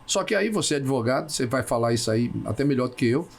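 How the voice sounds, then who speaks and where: Gravelly husky man, halting speech. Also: medium pitch, animated. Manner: halting, repeats words while searching for them. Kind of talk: casual talk show conversation.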